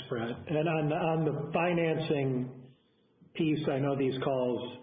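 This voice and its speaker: A male executive speaks on a thin, phone-like line with a roomy echo. He delivers a financial update to investors, halting now and then and restarting phrases as he goes. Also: medium pitch. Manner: halting, with mid-phrase self-corrections. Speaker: company executive on an earnings call. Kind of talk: semi-scripted business briefing to investors. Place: conference call over phone. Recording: echoey, band-limited conference phone line.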